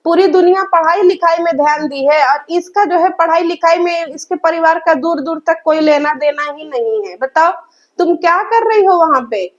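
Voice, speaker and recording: Female reaction vlogger, high voice, sore throat, scolding and sarcastic; lo-fi dull recording. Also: moderate pace. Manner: mocking, scolding, addresses viewers as guys. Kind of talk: roast reaction commentary.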